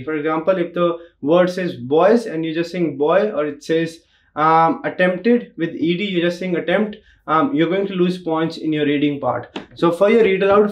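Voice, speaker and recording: Speaking to camera from a small home studio, a thirtysomething man with an Indian accent and a fairly high pitch coaches test takers. His instruction stays calm and comforting, and he repeats the important points.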